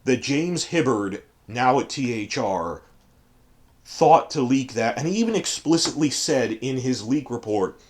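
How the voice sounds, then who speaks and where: A hoarse man with a cold, giving emphatic, digressive commentary as a fantasy fandom channel host. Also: medium pitch. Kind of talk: ranting commentary.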